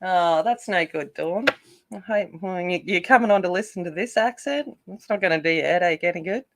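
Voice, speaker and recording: A woman's voice: on the low side, moderate pace. Chatty woman rambling while coloring. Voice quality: not soothing by her own account. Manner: chatty and rambling, talking to live viewers. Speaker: coloring channel host. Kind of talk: casual chat while coloring.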